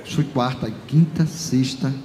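A man with a Brazilian Portuguese accent, a pastor giving a lively personal testimony in a large church, acting out conversations as he goes. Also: mid-range voice, slow pace, slight background noise. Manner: lively storytelling, acts out dialogue, chuckles often. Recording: reverberant church hall, faint ambience.

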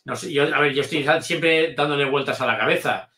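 A man, a guest in a casual interview chat, hesitant and halting. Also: medium pitch, pushed and bright, echoey room, slight background noise. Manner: hesitant, full of restarts and fillers. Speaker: guest, channel manager.

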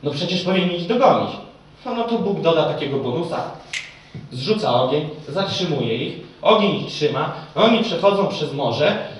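A young man preaching a sermon to a live audience in a church hall, swinging between loud excited storytelling and hushed, intimate passages. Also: on the high side, normal speed, a little hiss or hum. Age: young adult. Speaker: evangelist preacher. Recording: very echoey hall, speaker far from mic.

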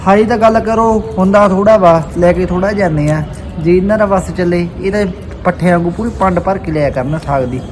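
A man's voice: high-pitched, fairly quick. A young man chatting casually, with a teasing, mocking manner. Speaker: vlogger's partner. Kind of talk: casual chat. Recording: loud vehicle and outdoor noise.

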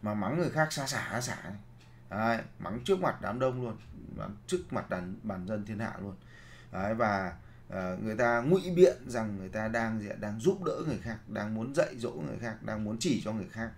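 A man's voice: fairly low pitch, animated, fairly quick, slight background noise. A man giving a seminar lecture as a leadership trainer, posing rhetorical questions, then answering them himself, and repeating his key phrases to the audience.

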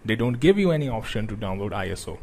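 A young man who is not a native English speaker, talking through a computer tutorial with grammar slips and frequent pauses. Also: fairly low pitch, very animated, a little mellow. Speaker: tech tutorial host. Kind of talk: screen-recorded tutorial.

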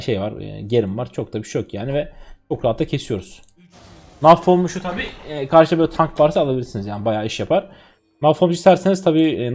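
Excitable young man commentating gameplay. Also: medium pitch. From Turkey. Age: 20s. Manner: excitable, chatty, talks to viewers while playing. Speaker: streamer.

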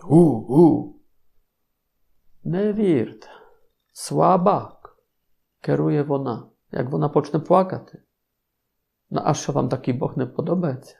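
A man's voice: on the high side, slow, vocal fry, darkish tone. A man with a Polish accent, a Capuchin friar giving an informal sermon with playful, ironic asides to his listeners.

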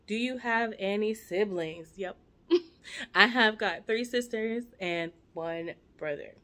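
A vlogger in her forties, originally from Jamaica and raised in America, speaks in a lowish, fairly bright voice. She chats casually from her living room with the camera at arm's length, rambling playfully and tossing in asides to her audience.

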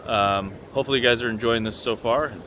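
A man in his thirties giving a relaxed, chatty vlog update outdoors on a beach, filmed up close. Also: medium pitch, quick pace, very noisy. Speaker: vlogger. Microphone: camera held close, selfie framing.

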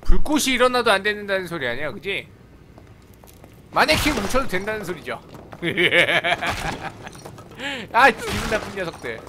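A man with a high-pitched, sing-song voice comments live on a video game at a measured pace, amid a noisy background and game sound. As the video's host, he's playful and exclamatory, bantering with the characters.

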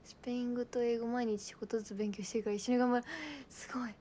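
Bubbly high-voiced young woman streamer. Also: flat delivery, very fast, dark tone. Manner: bubbly, giggly, reads viewer comments aloud. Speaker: idol livestream host. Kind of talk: casual livestream chat.

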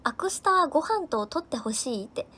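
High-voiced woman live-streamer thanking viewers. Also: very animated, brisk, a bit bright. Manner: cheerful, thanks viewers by name one after another. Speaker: livestream host. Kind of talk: casual live-stream chat reading viewer comments.

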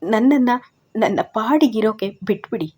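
A woman voicing a shy, hurt young woman who answers in hushed, half-whispered tones in an audio story. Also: a little high, expressive, a little slow, breathy edge. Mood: hushed sad.

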